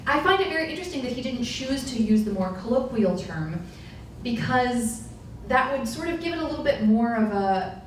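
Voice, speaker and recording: A woman pianist chatting to a concert audience about the music, explaining in a friendly, meandering way with self-corrections. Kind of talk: spoken concert introduction. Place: large echoey concert hall. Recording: far-off echoey hall with faint rumble.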